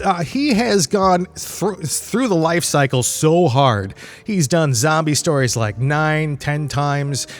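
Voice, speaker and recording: A man with a fairly high voice talks casually as a podcast host. He rambles conversationally from point to point, as if chatting straight to the listener. Faint music plays behind him. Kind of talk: casual solo podcast talk.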